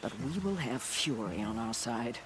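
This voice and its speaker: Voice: medium pitch, lively intonation, normal speed, close to an everyday voice. An actor playing a stern, commanding tribal war chief in a video game, terse in delivery. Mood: grim resolve. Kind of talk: video game cutscene acting.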